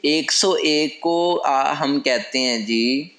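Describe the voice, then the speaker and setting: A man's voice: on the high side, extremely slow, a bit bright. Patient man teaching step by step. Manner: patient, step-by-step, repeating key phrases. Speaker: language teacher. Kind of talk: whiteboard lesson explanation. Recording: echoey room.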